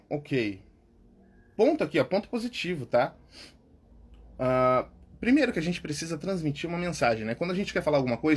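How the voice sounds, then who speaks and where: A Brazilian man coaching public speaking in a relaxed lesson, his voice a touch husky and pitched somewhat high for a man. He hammers key words through repetition and keeps checking in with his listener at the end of phrases. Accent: Brazilian Portuguese. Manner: repeats key words, ends phrases with tag questions. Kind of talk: casual instructional talk.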